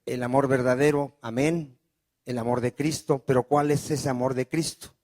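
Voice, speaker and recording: A man's voice: medium pitch, steady tone, moderate pace, a little mellow, no echo. A man preaching a sermon as pastor, often asking the congregation questions and calling for amens. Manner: preaching with call-and-response questions.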